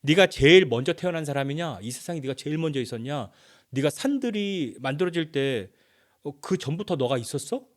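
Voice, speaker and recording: A man's voice: fairly high pitch, expressive, a little fast, natural voice. A scornful, boastful man who fires off taunting questions, his voice leaping up and down, as a preacher acts him out. He sounds indignant and superior. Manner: taunting, rhetorical challenges. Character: boastful, scornful male friend arguing with a sufferer.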